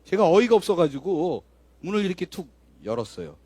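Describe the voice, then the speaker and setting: A high-pitched male pastor in his fifties tells a story from the pulpit, chatty and vivid, acting out the scene as he goes. His voice is close and dry, with no room echo. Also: big pitch swings, a little fast, mellow. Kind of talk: sermon storytelling.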